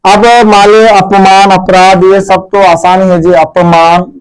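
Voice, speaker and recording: A man's voice: high-pitched, level tone, slow, clean tone, low-quality recording. A man teaching a grammar lesson to pupils at a board, repeating key words and quizzing them. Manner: addresses pupils as "मेरे प्यारे बच्चों".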